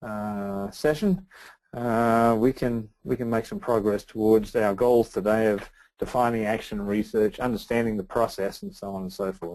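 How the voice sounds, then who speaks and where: Against a quiet background, a man with an Australian accent talks at a moderate pace in a medium pitch. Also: ordinary pitch variation. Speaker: professor. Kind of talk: lecture. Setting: video call. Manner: halting.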